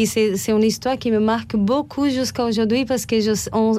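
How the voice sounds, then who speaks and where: Over noticeable background noise, a woman with a Portuguese accent speaks at a moderate pace with fairly even intonation. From Brazil, Salvador de Bahia. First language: Portuguese (speaking French). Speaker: missionary. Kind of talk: testimony. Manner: halting, many repetitions.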